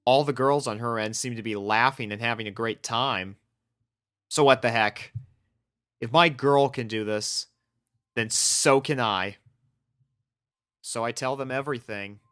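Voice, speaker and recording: A man's voice: mid-range voice, measured pace, long pauses, a bit bright, clean tone. A man reading a first-person fan fiction story as its narrator.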